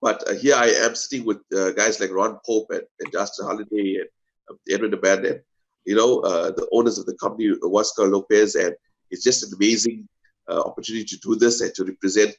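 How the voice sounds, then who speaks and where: A man's voice: fairly low pitch, fairly even intonation, a little fast, muffled recording. A man speaking earnestly as a guest on a video call, hesitating with many fillers. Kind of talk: casual pitch talk.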